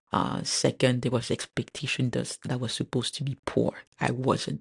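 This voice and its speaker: A woman speaks at a very deep, low pitch with vocal fry. The sound is dry and close, with no echo. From Cameroon. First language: French. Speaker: podcaster. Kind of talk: personal monologue. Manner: deliberately slow; halting, many fillers and repetitions.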